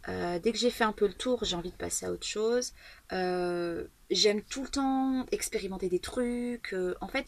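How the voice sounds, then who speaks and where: Woman in her 30s rambling thoughtfully about writing, lots of ums and restarts, mid pitch, dry close sound. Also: no echo. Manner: thoughtful, hesitant, many fillers and restarts. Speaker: author and video blogger. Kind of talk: casual reflective monologue.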